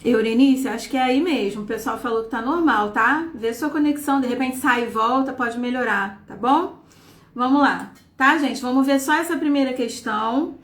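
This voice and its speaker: Mulher professora, voz aguda e ecoante. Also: female voice, fairly high pitch, moderate pace, roomy sound. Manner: explains patiently, reads texts aloud with marked intonation; often checks in with "tá?" and "né?". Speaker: teacher. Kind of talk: live online class.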